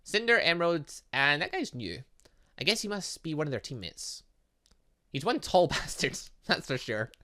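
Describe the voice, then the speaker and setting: A man's voice: a little high, very animated, moderate pace, pushed and bright. A man reading visual novel dialogue aloud as a gaming host, breaking off into casual asides and exclamations.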